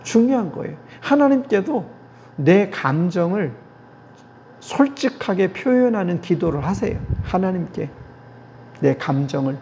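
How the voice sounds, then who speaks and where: Male pastor, gravelly mellow voice, earnest teaching sermon, dull lo-fi recording. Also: high-pitched, very animated, a little slow. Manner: earnest, repeats key phrases, acts out little prayers. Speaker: pastor or theology professor. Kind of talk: lecture-style sermon. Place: church meeting hall. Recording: dull lo-fi recording with faint noise.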